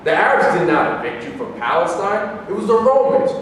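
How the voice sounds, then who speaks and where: A man's voice: high-pitched, big pitch swings, fairly quick, a bit bright. Man acting a combative Arab man, echoey hall. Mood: argumentative. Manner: combative, declamatory, formal phrasing. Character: bitter, stubborn, argumentative Palestinian Arab man. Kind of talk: staged play reading, debate-like dialogue. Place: hall at a staged reading. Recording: echoey hall, distant mic, faint noise.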